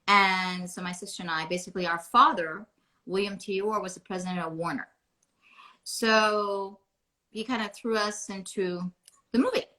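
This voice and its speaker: A woman's voice: medium pitch, moderate pace, sharp tone. An American woman from Beverly Hills, an actress chatting as a guest in an interview, rambling with many restarts. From United States. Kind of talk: casual interview chat.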